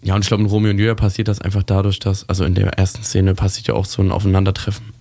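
A man's voice: deep voice, completely flat delivery, racing, warm tone, dry recording. A man hosting a casual radio talk show, rambling and correcting himself as he chats about literature, laughing often. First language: German.

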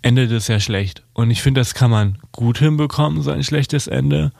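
A man's voice: medium pitch, normal speed, vocal fry, a little mellow, dry recording, clean studio sound. A man co-hosting a casual radio talk show, hesitant and full of fillers, using loose slang. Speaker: radio co-host. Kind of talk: casual radio chat about literature.

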